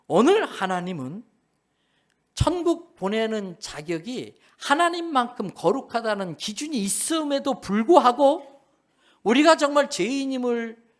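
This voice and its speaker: A man's voice: very high-pitched, very animated, a little slow. A middle-aged male pastor preaching a sermon with emphasis, now and then acting out the voices of people in his stories.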